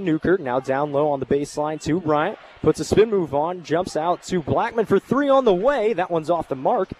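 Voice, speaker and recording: A man's voice: fairly high pitch, darkish tone. A young man doing live play-by-play basketball commentary as a sportscaster. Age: young adult. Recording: faint arena noise. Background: basketball game ambience.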